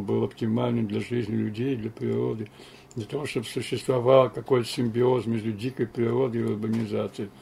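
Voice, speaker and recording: The intonation stays fairly even, carried by a dark, mellow tone. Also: man. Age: 80s+. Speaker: geographer. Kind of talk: interview.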